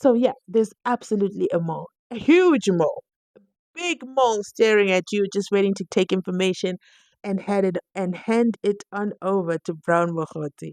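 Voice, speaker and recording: In a dry, close sound with no echo, a woman speaks at a moderate pace and medium pitch, with an animated tone and ordinary pitch variation. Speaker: commentary channel host. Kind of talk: commentary on news clip.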